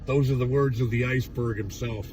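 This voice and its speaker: A raspy, hoarse man rambles bluntly on a livestream, swearing freely as he talks. He sits in his truck, recorded on a phone held a little away from him. The rumble of passing traffic runs steadily behind his voice. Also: steady tone, fairly quick, recorded from a distance. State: hoarse from yelling. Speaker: livestreamer at a protest. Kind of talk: casual ranting livestream. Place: inside a parked truck.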